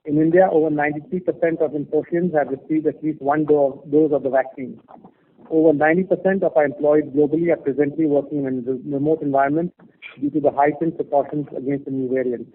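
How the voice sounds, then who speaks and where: A man presenting quarterly financial results in measured, prepared remarks on an earnings call. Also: a little high, steady tone, a little hiss or hum. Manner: measured, reads figures steadily. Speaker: company finance executive. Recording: tinny phone line.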